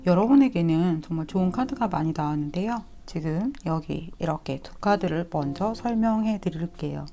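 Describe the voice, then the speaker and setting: Woman, tarot reading, gentle and coaxing, slightly sore throat, warm low tone, soft music behind. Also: expressive, moderate pace. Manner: gentle, coaxing, addresses viewers directly. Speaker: tarot reader. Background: soft instrumental music.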